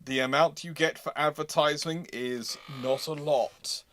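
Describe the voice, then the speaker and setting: A man hosting a casual live question-and-answer stream, speaking haltingly, often repeating phrases and interrupting himself. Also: fairly high pitch, steady tone, a bit bright, slight background noise. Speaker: livestream host.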